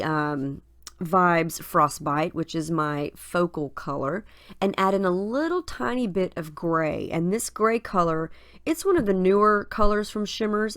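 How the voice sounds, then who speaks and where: A woman's voice, slightly low and made scratchy and nasal by a head cold. She talks in a relaxed, chatty way, thinking aloud as she goes. The sound is dry and close. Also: dry recording. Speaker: craft video host. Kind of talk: casual voice-over narrating a scrapbooking process.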